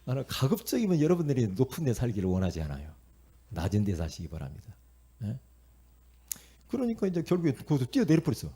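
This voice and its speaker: A middle-aged male pastor from Korea preaches with a gravelly, husky, darkish voice. His delivery is lively and sweeps widely in pitch as he acts out the voices in his stories, and he keeps calling out to the congregation. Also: brisk, long pauses. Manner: animated storytelling, acting out inner voices and quotes; repetitive, calls out to the congregation. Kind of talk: sermon.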